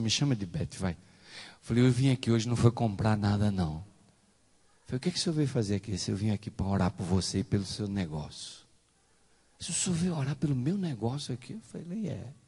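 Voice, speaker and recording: Brazilian male pastor, husky voice, animated sermon storyteller, long hall echo. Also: on the low side. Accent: Brazilian Portuguese. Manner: animated storyteller, voice rises sharply when quoting others.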